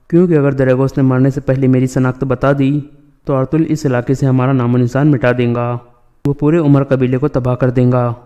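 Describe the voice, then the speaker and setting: A man reading the lines of a scheming, treacherous male tribal lord in a flat, even voice. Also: mid-range voice, smooth, lo-fi sound, lightly acted.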